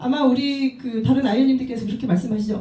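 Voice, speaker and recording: A woman talks at a fairly quick pace in a high pitch with an animated tone, and the room echo is audible. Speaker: trading instructor. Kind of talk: lecture. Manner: fast.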